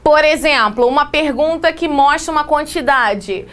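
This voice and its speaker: A woman with a Brazilian Portuguese accent teaching an English grammar lesson, explaining with quick examples and playful asides. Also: high voice, a bit bright. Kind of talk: exam-prep grammar lesson.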